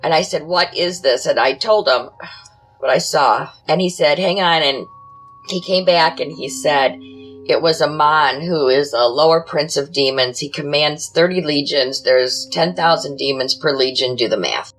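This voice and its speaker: A woman's voice: low-pitched, moderate pace, fairly bright tone, soft background music, rough recording. A woman guest on a podcast telling her own paranormal experiences conversationally, in short, matter-of-fact dramatic phrases. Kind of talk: conversational first-person storytelling.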